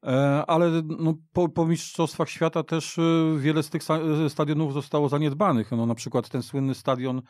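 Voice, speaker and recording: A man with a fairly high voice talks football as a podcast guest. He speaks haltingly and doubles back on his words, recorded very dry with no room sound. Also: fairly even intonation, darkish tone, no room sound. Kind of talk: unscripted football discussion. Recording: dry radio studio.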